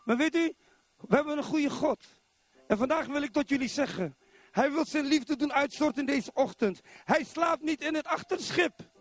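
A middle-aged man from Zwolle preaching a sermon in church, animated and constantly putting questions to the congregation. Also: very high-pitched, moderate pace, no room sound. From Netherlands, Zwolle.

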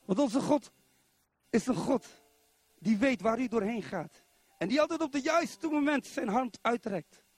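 High-voiced Dutch preacher man. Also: measured pace, long pauses, no echo, soft background music. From Netherlands, Zwolle. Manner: animated, keeps asking the congregation questions. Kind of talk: sermon. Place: church.

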